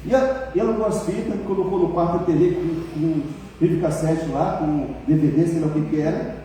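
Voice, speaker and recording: A man preaching a sermon as pastor in a church, telling stories in a colloquial, animated way and calling on the congregation for responses. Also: fairly high pitch, normal speed. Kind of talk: sermon with storytelling. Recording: echoey church hall, mic far off, faint noise.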